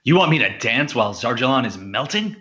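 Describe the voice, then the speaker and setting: A man playing an earnest, pompous space hero stranded on Earth in an audio comedy drama, speaking gravely and formally. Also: medium pitch, very animated, fairly quick, pushed and bright, dull audio. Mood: puzzled, earnest.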